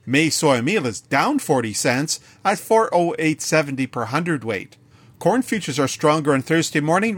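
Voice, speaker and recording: Husky-voiced Canadian man reading a radio farm report. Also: a little high, fairly bright tone, no room sound.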